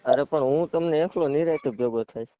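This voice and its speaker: A man's voice: on the high side, a little fast, mellow, dry recording. A man with a Saurashtra Gujarati accent in casual phone talk, giving brief, noncommittal replies on a muffled recording.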